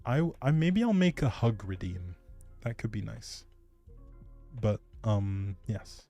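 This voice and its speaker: A man with a fairly low, warm voice hosts a casual gaming livestream, very animated yet taking it slowly. He chats with viewers and answers chat in a rambling, hesitant way, often trailing off, with background music playing behind him.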